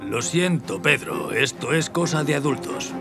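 A man voicing a stubborn, forceful middle-aged villager in a Castilian Spanish cartoon dub. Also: medium pitch, sing-song, measured pace, gravelly, music in the background. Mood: firm. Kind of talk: animated series dubbing.

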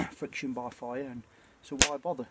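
A British man in his forties chatting casually and reflectively to camera, with a hesitant, throat-clearing delivery. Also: medium pitch, unhurried. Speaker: bushcraft vlogger. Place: outdoors at night by a small campfire. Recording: clear ambient noise of an outdoor campfire.

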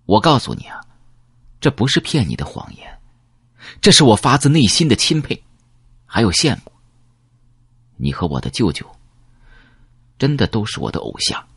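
A man's voice: medium pitch, huge pitch swings, moderate pace, long pauses, husky, voice pushed up, exaggerated voice. A man reading an audiobook, voicing a bitter young male villain who mocks and then rages. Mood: earnest. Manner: mocking, then shouting in fury.

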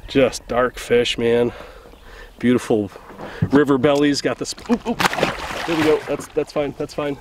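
A man's voice: medium pitch, measured pace. A chatty man in his thirties, vlogging from a small boat on a river with the camera held at arm's length. His voice sits in a middle range, with a faint hiss of open air behind him. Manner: excitable, chatty, talking straight to camera. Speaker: host of fishing channel. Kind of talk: casual fishing vlog. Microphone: handheld camera at arm's length.

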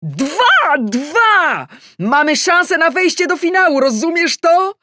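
A woman voicing an excitable grown man who yells and cheers at a football match on TV, in an audiobook. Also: extremely high pitch, slow, no room sound, clean studio sound, pitched above the performer's own voice, exaggerated voice. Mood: shouting excited. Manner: yelling, cheering at the screen.

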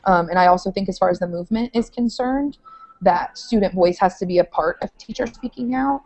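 A woman's voice: medium pitch, brisk, a little mellow, rough recording. A young woman teacher on a video call, talking eagerly with many filler words from a small room with bookshelves, through an earphone headset. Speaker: social studies teacher.

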